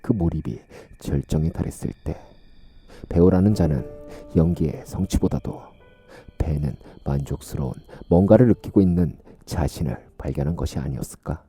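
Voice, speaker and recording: Deep, dark-voiced male horror narrator. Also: husky, no echo, faint music behind. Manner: slow, musing, hushed storytelling. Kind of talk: scripted horror radio narration.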